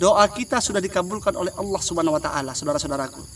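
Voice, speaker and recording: Over noticeable background noise, a shrill voice rises and falls in very wide pitch swings. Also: man. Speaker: spiritual teacher. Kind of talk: religious talk. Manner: halting.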